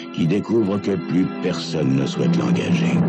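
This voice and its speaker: A man talks at a very slow pace with vocal fry. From France. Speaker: voice actor and actor. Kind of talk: radio crime story narration. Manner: first-person narration by a talent agent.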